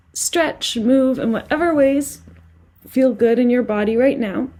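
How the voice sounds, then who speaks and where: A woman leading a guided relaxation as a meditation teacher, speaking gently and soothingly with unhurried phrasing and long pauses. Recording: lower-quality microphone.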